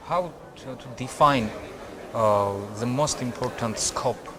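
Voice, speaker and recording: Male interviewer, mid-pitched voice, hesitant phrasing, noisy outdoor recording. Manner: halting, searching for words, with many short backchannels. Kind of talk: interview questions.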